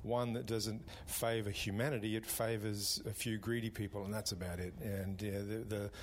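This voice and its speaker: Low-pitched man, radio panel guest, hesitant, rambling, faint background hiss. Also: flat delivery, moderate pace. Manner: hesitant, rambling, many restarts.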